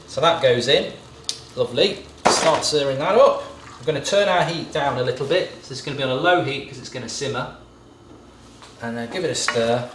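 A man's voice: mid-range voice, distant mic, a little hiss or hum. A man in his thirties hosting a home cooking video, chatting casually and rambling off into jokes while he cooks. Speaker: cooking show host. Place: home kitchen, indoors. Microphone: camera mic at a distance. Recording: echoey kitchen, mic set back.

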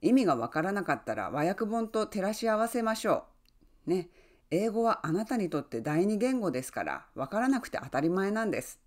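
A woman who works as an online English coach, giving friendly, encouraging advice and often adding soft tag words as she talks. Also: mid-range voice, very animated, a little fast. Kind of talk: advice talk to camera.

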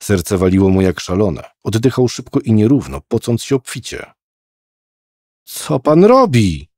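A man narrating a horror audiobook in a measured, dramatic storytelling manner. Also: on the low side, lively intonation, mellow, no echo, studio quality. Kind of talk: scripted narration.

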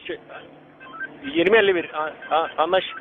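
A man's voice: on the high side, steady tone, moderate pace. Man dispatching over walkie-talkie. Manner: terse radio call codes, urgent orders. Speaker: radio dispatcher. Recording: tinny radio with static.

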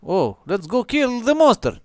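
Brazilian man, gameplay commentary, high voice, wildly swinging pitch, excitable, yells and curses. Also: unhurried, no room sound. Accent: Brazilian Portuguese. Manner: excitable, yells and curses, switches into English with other players. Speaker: gameplay streamer.

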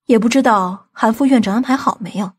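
A woman's voice: a little high, fairly quick, slightly rough. A woman voicing a bossy, irritable aunt in a dramatised audiobook, with a scolding, indignant manner. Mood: businesslike. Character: domineering, irritable aunt of a company chairman.

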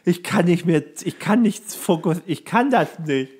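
A man's voice: high-pitched, lively intonation, moderate pace, darkish tone, husky. A young man co-hosting a podcast, telling bar anecdotes in colloquial, slangy speech and acting out what people said. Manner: colloquial, slangy, acts out quoted remarks. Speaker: podcast co-host.

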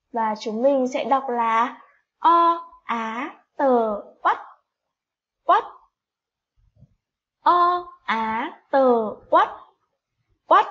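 A high-pitched woman teacher, drawing out every syllable at an unhurried pace for small children. She spells word by word and gently asks the class questions. The recording sounds a little dull and lo-fi. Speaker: primary school teacher. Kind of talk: slow spelling lesson for young children.

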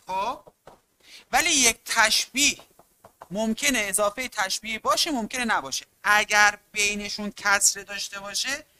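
Very bright, sharp-toned literature teacher. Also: medium pitch. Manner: emphatic, stretches out key terms, keeps calling on the students. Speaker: exam-prep literature teacher. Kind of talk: online class lecture.

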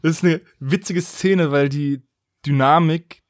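A man's voice: a little high, a little slow, dry recording. A man talking casually as one of the hosts of a podcast. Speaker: podcast host.

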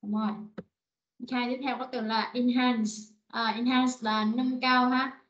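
A woman teaching an online vocabulary lesson, repeating words slowly and explaining in short phrases. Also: fairly high pitch, flat delivery, muffled recording. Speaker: English teacher.

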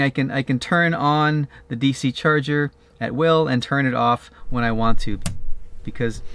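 A man's voice: medium pitch, a bit bright, dry recording. A man in his fifties, an RV vlogger, casually explaining a DIY setup step by step with frequent "uh" restarts, filmed at arm's length outdoors and in a van cab.

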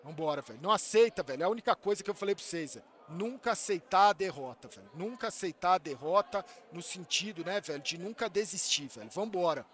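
Excitable Brazilian streamer shouting at a match. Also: male voice, high-pitched, quick pace, hardly any pauses. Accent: Brazilian Portuguese. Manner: excitable, shouts at players, swears, says "velho" often. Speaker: streamer reacting to a football match. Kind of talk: live watch-along commentary.

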